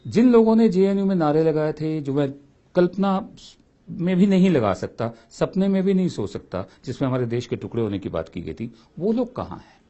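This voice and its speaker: A man's voice: a little high, sing-song, normal speed, mellow, dull audio. A man giving a spoken commentary, impassioned and full of rhetorical questions.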